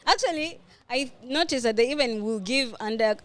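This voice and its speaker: A Ugandan woman with a fairly high voice talks casually as a podcast guest. She explains her points in an animated, demonstrative way, as if chatting among friends. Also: normal speed. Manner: animated explainer, acts out examples. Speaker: guest, media personality and podcaster.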